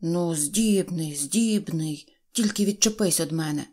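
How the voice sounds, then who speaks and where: A woman's voice: fairly low pitch, measured pace, warm tone. A woman voicing a fussy, self-important tiny poet man who lectures in a teacherly way. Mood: exasperated.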